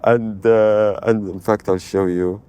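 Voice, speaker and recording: Middle-aged man from Malta, guest: low voice, rambling and animated, casual chat. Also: slow pace, clear, resonant tone. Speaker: guest, AI expert.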